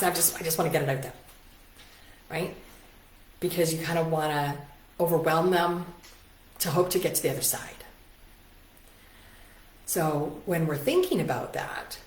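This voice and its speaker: Low-voiced woman coach teaching casually. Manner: conversational, full of rhetorical questions and tag "right?". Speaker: presentation skills coach. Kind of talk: casual online teaching talk. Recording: echoey room.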